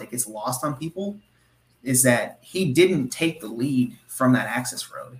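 The man's voice is somewhat breathy. It rests at a medium pitch. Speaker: podcast host. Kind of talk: casual chat about motorsports.

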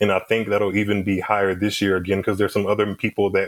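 A man speaks with an American accent at a very fast pace. His pitch is fairly low. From US South, New Orleans. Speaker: podcast host. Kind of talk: casual chat.

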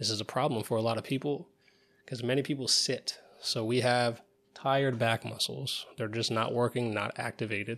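A man with a plain, everyday voice, medium in pitch, at a moderate pace with fairly even intonation. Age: 20s. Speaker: fitness trainer and podcast host. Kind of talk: solo instructional talk. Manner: casual with filler words.

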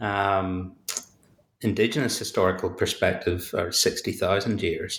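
Speaking at a fairly slow pace, a man talks in a Northern Irish accent. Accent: Northern Irish (Belfast). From Belfast, Northern Ireland. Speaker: university professor and author. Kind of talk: author interview. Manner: hesitant, filler-heavy.

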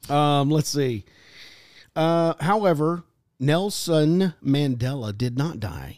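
A man with an American accent speaks very slowly, his fairly high voice full of lively intonation. The recording is very clean, the background silent. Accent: Southern US, sometimes held back. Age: 50s. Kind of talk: casual chat; reading aloud. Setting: studio.

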